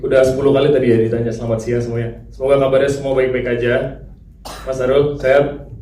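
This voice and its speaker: A man's voice: mid-range voice, little pitch movement, quick pace, dark tone, slight background noise. Chatty man in an echoey hall. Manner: chatty, laughing, mimics others' speech. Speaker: actor at a press conference. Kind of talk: casual press-conference remarks. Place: large event hall. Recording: echoey hall, mic far off.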